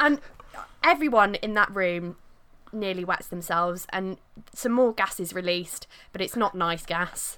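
A woman with an English Midlands accent speaks at a moderate pace with long, frequent pauses, using a medium pitch and a bright, sharp tone. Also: ordinary pitch variation. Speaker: podcast co-host. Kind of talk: casual chat.

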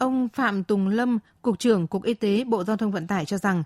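A woman with an ordinary speaking voice talks in a medium pitch with ordinary pitch variation, in a very clean recording with a silent background and a dry, close sound with no echo. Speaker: radio news presenter. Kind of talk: news reading. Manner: formal.

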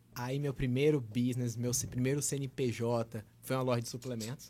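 This man has a medium pitch and a dark, mellow tone, captured in a very clean recording against a silent background. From Recife, Brazil. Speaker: entrepreneur and lawyer. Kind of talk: casual podcast interview.

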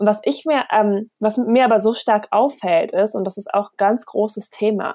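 A woman speaks at a moderate pace with a fairly high pitch and ordinary pitch variation, in a plain, everyday voice. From Germany, Berlin. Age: 20s. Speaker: entrepreneur and education activist. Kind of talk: podcast interview.

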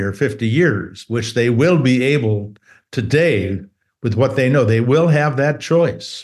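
A man's voice comes through somewhat breathy. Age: 80s+. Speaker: investment educator, foundation founder. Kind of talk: casual chat. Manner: halting, frequent fillers.

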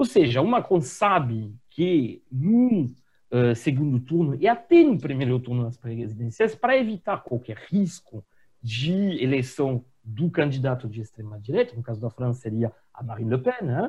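There is a man talking, somewhat breathy. His intonation is lively. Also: medium pitch for a man, moderate pace. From France. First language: French (speaking Portuguese). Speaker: economics professor. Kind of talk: panel discussion.

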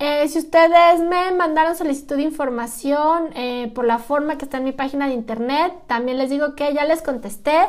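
A woman speaks in a high pitch with ordinary pitch variation. She leaves hardly any pauses. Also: moderate pace. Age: 40s. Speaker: image and wellness coach, podcast host. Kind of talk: solo podcast monologue.

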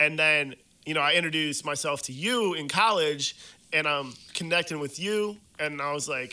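A man with an American accent has a bright, sharp tone and a fairly high pitch. He speaks at a moderate pace with ordinary pitch variation. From Pennsylvania, Reading area. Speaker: podcast co-host. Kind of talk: casual chat.

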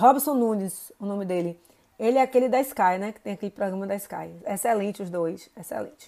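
An animated tone from a woman, with ordinary pitch variation. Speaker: series review vlogger. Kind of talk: casual monologue.

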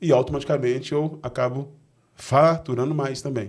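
In an ordinary speaking voice, a man talks at a fairly high pitch, its variation ordinary. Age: 40s. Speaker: founder of a ride-hailing app, former homeless man. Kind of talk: interview, life story.

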